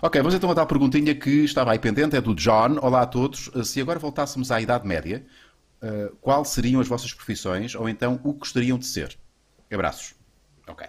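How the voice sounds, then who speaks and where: In a very clean recording with a silent background, a man with a plain, everyday voice speaks at a fairly quick pace, with medium pitch and ordinary pitch variation. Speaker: podcast host. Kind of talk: casual chat.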